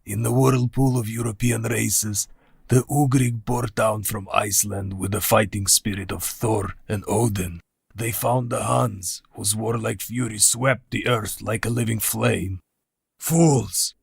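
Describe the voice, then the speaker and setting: A man as Count Dracula, gravelly and slow. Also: fairly low pitch, no echo, studio quality, full character voice. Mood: proud, then boastful. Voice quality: gravelly, husky, slow and deliberate. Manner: formal, old-fashioned, boastful speech. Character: ancient courtly male vampire count, proud and menacing. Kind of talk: radio play acting.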